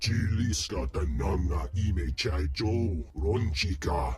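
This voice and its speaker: Putting on a character voice, a man growls very slowly in a very deep, low pitch. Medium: video game. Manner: speaks an alien language.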